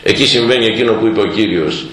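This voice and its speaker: A man preaching a sermon, telling stories with lively acted-out voices. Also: on the low side. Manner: lively storytelling, acting out quoted voices. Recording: very echoey room.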